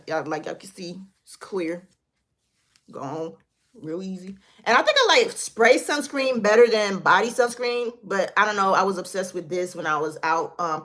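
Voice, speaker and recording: A woman's voice: mid-range voice, fairly bright tone. A young woman, chatting casually and rambling through a skincare product review, laughing at herself. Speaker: beauty vlogger.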